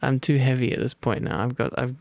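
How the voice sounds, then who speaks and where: A man with a British RP accent reading a storybook aloud and chatting as an ASMR boyfriend, drowsy, soft and playful, slipping into gentle whispers. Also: mid-range voice, level tone, brisk, no room sound. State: sleepy and overfull.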